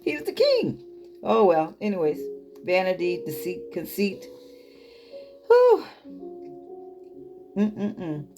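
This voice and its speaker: A woman's voice: medium pitch, wildly swooping pitch, slow pace, pauses often, warm tone, soft background music. A woman reading scripture aloud as a Bible teacher, breaking off into informal, emphatic comments of her own. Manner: colloquial, emphatic asides.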